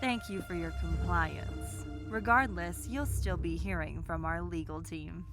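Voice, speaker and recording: An actress playing a coolly menacing female lawyer in an audio drama, speaking formally and with measured authority. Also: fairly low pitch, over music. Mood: cold, threatening. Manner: formal, measured, clipped legal phrasing.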